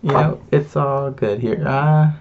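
Young male vlogger, relaxed rambling delivery heavy on fillers and slang; distant, slightly dull recording. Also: mid-range voice, slow pace, background noise. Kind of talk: casual confessional chat.

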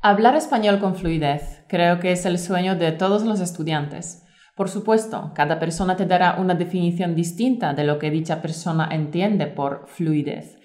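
A woman presenting a course as a teacher and podcast co-host, in a clear, measured, scripted delivery. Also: on the low side, darkish tone.

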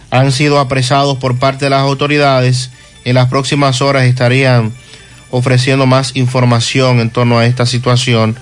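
Dominican male radio announcer over music. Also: medium pitch. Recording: radio broadcast with music underneath.

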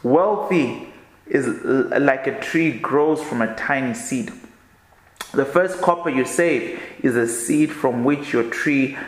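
A man hosting a podcast, reading a book aloud and breaking off into casual commentary, with a low-key, tired delivery that often stumbles and restarts words. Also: slow, roomy sound, rough recording. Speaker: podcast host.

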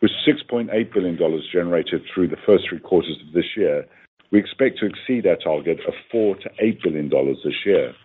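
A man reading a scripted corporate financial presentation in a formal, measured way, as an executive on a conference call. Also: low voice, lively intonation, slight background noise. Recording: tinny phone-like conference line.

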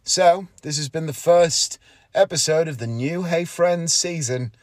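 A man's voice: fairly high pitch, a little slow, no echo. A man, talking casually and candidly on his solo podcast from inside a parked car, often correcting himself. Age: 30s. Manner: rambling, candid, self-correcting. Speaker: podcast host, magician.

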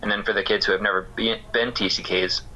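Bright-toned man, halting and reflective. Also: fairly low pitch, fairly even intonation, lo-fi sound, slight background noise. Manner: thoughtful, halting, many fillers. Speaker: interview guest, missions care worker. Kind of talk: casual reflective interview talk.

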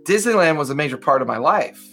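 A man's voice: a little high, expressive, fast, a bit bright, breathy edge, faint music behind. A man in his fifties co-hosting a podcast, chatting casually and reflectively with lots of fillers. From Southern California. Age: 50s. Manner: rambling, reflective, many fillers. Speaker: podcast co-host. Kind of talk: casual chat.

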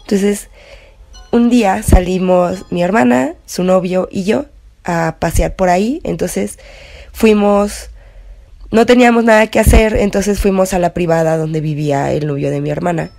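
A woman's voice: on the low side, a little slow, vocal fry, darkish tone, soft background music. A woman with a Mexican Spanish accent casually telling a personal ghost story, rambling with fillers and restarts. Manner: chatty, full of fillers and restarts.

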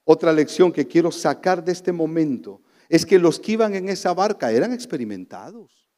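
A man with a Honduran accent preaching a sermon as pastor, swinging between loud exclamations and soft low asides. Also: lively intonation, normal speed. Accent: Honduran Spanish. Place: church sanctuary. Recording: long church reverb.

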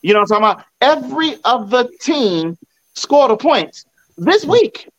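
A man's voice: extremely high pitch, big pitch swings, moderate pace, a bit bright, lo-fi sound. A man talking casual football trash on a phone video, boastful and repetitive with a swaggering manner. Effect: recorded on a phone. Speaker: sports fan vlogger.

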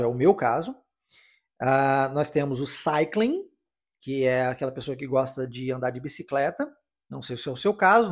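A man's voice: medium pitch, slightly rough. A man from Brazil, teaching English in a podcast lesson and repeating phrases for practice. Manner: explanatory, repeats phrases for drill.

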